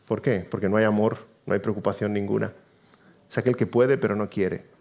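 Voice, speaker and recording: A man preaching a sermon, swinging between emphatic raised lines and hushed low endings. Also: fairly even intonation, a little fast, vocal fry. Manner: dramatic swings between emphatic rises and quiet low drops.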